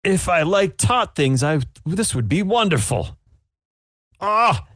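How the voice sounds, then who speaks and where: Huffy, high, prissy old judge, a man doing the voice. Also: very animated, takes it slowly, a bit bright, no echo, studio quality, full character voice. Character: snooty grumpy older male pie judge.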